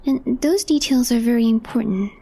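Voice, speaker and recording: A woman playing a calm, deadpan, quietly mischievous young office coworker in an ASMR roleplay, speaking softly in a hushed, understated way. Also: fairly high pitch, normal speed. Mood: calm, mildly weary. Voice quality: soft, breathy, hushed.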